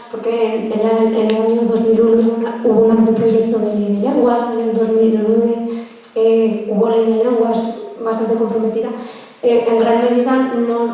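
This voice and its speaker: A woman's voice: fairly high pitch, dark tone. A woman in her twenties from Aragon, giving a chatty talk and mini language lesson with many fillers and restarts. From Aragon, Spain. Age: 20s. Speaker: guest speaker teaching a minority language. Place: lecture room. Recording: echoey hall, distant from the mic.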